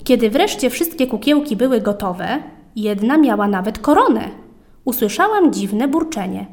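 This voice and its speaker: A woman narrating a children's story in a calm, expressive read-aloud tone. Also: fairly high pitch, normal speed.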